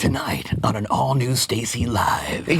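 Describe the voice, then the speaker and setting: A man puts on a guttural character voice at medium pitch. He speaks at a fairly slow pace. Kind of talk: promo announcer. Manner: sleazy, suggestive.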